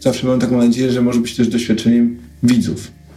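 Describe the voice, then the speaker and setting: A man speaks at a very fast pace. Audible room echo and noticeable background noise surround him. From Poland, Gniezno. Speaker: film director and screenwriter. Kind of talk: interview conversation. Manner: halting, many fillers.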